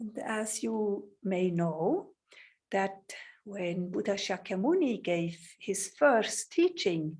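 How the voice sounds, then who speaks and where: With a Swiss German accent, a woman speaks at medium pitch and a very slow pace against a quiet background. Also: lively intonation. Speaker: meditation and prayer leader. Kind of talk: guided meditation. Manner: halting.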